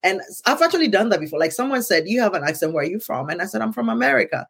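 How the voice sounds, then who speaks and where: A woman's voice: medium pitch, big pitch swings, racing, gravelly, fairly bright tone, husky. A middle-aged woman with a Ghanaian accent, hosting a casual conversation in an earnest tone and often checking in with "right?". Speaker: podcast host.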